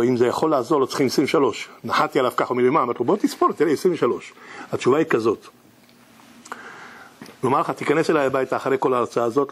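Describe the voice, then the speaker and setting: A male rabbi giving a lesson with lively storytelling in a synagogue, throwing asides to the audience. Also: medium pitch, slightly rough.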